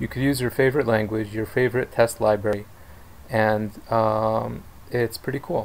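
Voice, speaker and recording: A man mumbling at a moderate pace and medium pitch, with fairly even intonation, over noticeable background noise. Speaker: software developer. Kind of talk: software demo screencast. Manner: mumbling, hesitant with many fillers.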